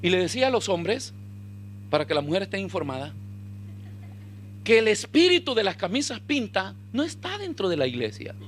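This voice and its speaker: A man delivers a lively sermon. His voice sits high and swoops widely, with a bright, sharp edge, and he rises to shouts as he acts out dialogue. A faint hum runs underneath. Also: normal speed, pauses often. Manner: animated preaching, shouting in peaks, acting out dialogue. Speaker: pastor.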